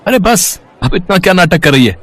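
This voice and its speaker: A man's voice: high voice, sing-song, brisk, fairly bright tone, heavily acted. A man playing a spoiled, arrogant rich young son in a dramatised story, entitled and mocking, dropping in English words. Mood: mocking, smug. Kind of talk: dramatised Hindi story acting.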